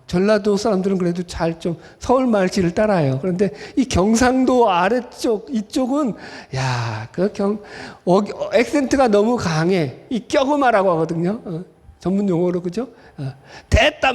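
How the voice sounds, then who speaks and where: A man with a high voice preaches an expository sermon, talking with his congregation and peppering them with questions. His voice carries a long reverb from the church hall around him. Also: a little mellow. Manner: conversational, asks the congregation questions. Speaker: pastor. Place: church sanctuary.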